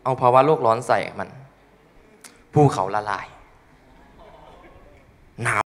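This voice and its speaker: A young man doing crude, animated stand-up storytelling on a comedy studio stage, acting out his friends' voices. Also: fairly low pitch, slow, a little hiss or hum. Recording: long hall reverb.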